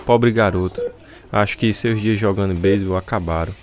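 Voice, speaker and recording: An actor in a radio drama playing a supportive, straight-talking baseball coach. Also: male voice, on the low side, moderate pace, background noise, lightly acted. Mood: concerned.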